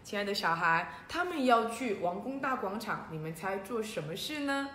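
A woman hosting a children's story show, telling the tale in a lively way and speaking directly to the young listeners. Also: mid-range voice, normal speed, a little hiss or hum. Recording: roomy echo.

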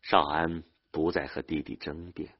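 A man's voice: rumbling low, flat delivery, unhurried, dull audio. A man narrating a novel as an audiobook, telling the story expressively with dramatic swings.

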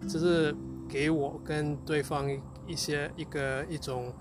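A man with a slightly high voice speaks Mandarin as a foreign learner, with a non-native accent. He talks in a casual, unscripted way, often stopping to hunt for a word or doubling back on a phrase. Music plays clearly behind him. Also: level tone. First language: not Mandarin, a foreign learner of it. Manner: halting, searches for words, repeats phrases. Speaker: co-host, Chinese learner.

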